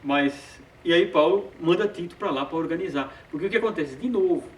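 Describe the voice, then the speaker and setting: A man's voice: on the high side, fairly quick. Man teaching Bible study, roomy sound. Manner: hesitant, repeats filler sounds, chuckles often. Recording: roomy sound from a distant mic.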